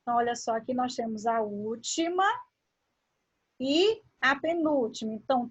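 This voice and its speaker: A woman teacher from Brazil, giving a grammar lesson. She draws words out slowly and asks the class questions as she explains. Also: high voice, breathy edge. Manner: slow, drawn-out word pronunciation with questions to the class.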